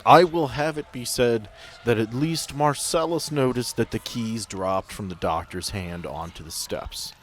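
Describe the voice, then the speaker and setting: A man's voice: medium pitch, measured pace, a little hiss or hum. A man narrating and running a tabletop game as game master, explaining rules at length.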